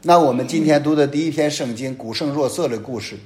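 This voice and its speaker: A man, a Catholic priest, giving a homily, emphatic, with his voice rising and dropping in pitch and loudness. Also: fast talker. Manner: emphatic preaching, sweeping rises and drops in pitch and loudness.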